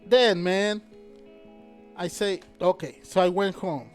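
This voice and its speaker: A middle-aged man telling a story in casual chat, animated, laughing often, speaking English with broken grammar. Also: sits high, takes it slowly, clean tone, faint music behind. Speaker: guest, host's father.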